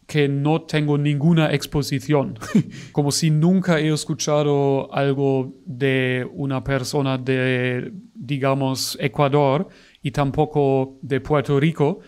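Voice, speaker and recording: A German man speaking Spanish with a German accent, chatting casually as a reaction host, self-mocking and quick to laugh. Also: fairly high pitch, darkish tone, clean tone.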